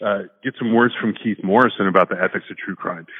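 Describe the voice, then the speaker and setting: A man talks at a fairly quick pace. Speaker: podcast host. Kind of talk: casual reflective talk to audience.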